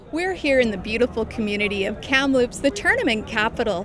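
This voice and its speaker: A high-pitched woman's voice against noticeable background noise. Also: dry sound with no echo. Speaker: government minister. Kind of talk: interview answer. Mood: warm, enthusiastic, smiling. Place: stadium.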